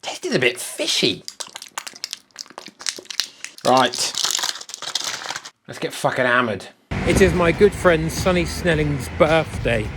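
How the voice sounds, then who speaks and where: A man's voice: a little high, very animated, takes it slowly, long pauses, noisy background. A young British man talking casually in a vlog, with a dry, tongue-in-cheek, sweary way of speaking. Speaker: vlogger. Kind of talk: casual first-person vlog to camera.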